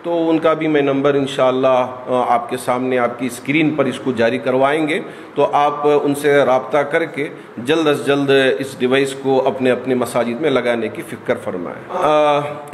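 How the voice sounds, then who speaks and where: A man speaking as a community religious spokesman at a press conference, explaining and appealing to listeners. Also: a little high. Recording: reverberant hall with faint noise.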